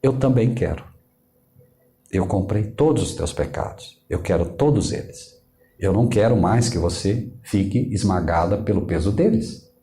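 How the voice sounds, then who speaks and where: A preacher voicing a patient, questioning Christ. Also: male voice, on the low side, expressive, moderate pace, warm tone, roomy sound, pitched below the performer's own voice. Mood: gentle questioning. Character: gentle male Christ speaking to a believer.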